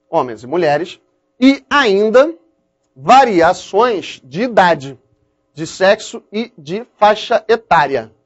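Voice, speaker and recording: A high-pitched male voice with very wide pitch swings, at a very slow pace. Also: long, frequent pauses. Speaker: online course teacher. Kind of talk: lecture. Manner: conversational, many fillers (né, tá).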